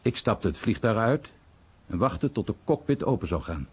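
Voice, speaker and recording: An actor playing a weary, troubled American veteran, husky and plain-spoken, in a radio documentary drama. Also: male voice, fairly low pitch, expressive, moderate pace, darkish tone, highs cut off, full character voice. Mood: reflective. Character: weary, troubled American veteran recalling his bomber crew days.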